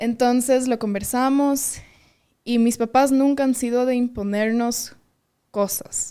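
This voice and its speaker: On a very clean recording with a silent background, a woman with a high pitch and a dark, mellow tone speaks very slowly in a flat monotone at very even loudness. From Ecuadorian Amazon (Sarayaku), partly raised in Finland. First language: Kichwa and Swedish (speaking Spanish). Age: young. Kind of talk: podcast interview. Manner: halting, many fillers; crisp consonants.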